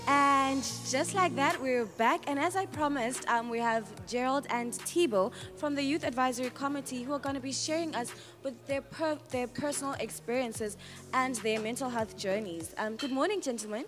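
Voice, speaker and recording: A woman's voice: high voice, normal speed, over music. A young woman hosting live radio from an open event booth, chatty and eager as she brings in her guests. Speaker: radio host. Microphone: table mic on a stand with headphones.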